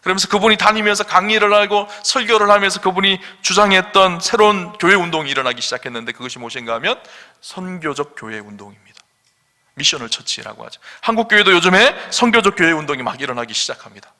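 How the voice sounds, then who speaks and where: A man's voice: sits high, animated, fast talker, sharp tone. A middle-aged male senior pastor preaching a sermon, emphatic and asking the congregation questions. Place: church sanctuary. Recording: long church hall reverb.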